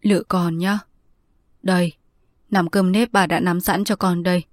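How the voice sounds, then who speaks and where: A woman voicing a tender, worried old blind grandmother who speaks in a hushed, close voice in a read-aloud story. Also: on the low side, steady tone, a little slow, no room sound, natural voice. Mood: soothing.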